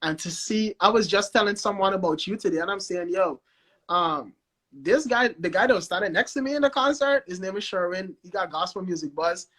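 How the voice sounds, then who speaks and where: A man with a Guyanese accent speaks with a high, bright voice. He talks in an animated way, doubling back on words as he builds up to each point, in a relaxed interview chat. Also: fairly quick. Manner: animated, repeats himself, enthusiastic. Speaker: guest, record label founder. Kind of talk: casual interview over a live stream.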